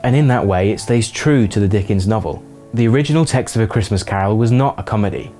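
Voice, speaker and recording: A man's voice: lowish voice, fast, dark tone, soft background music. A man reading scripted narration as the narrator of a video essay.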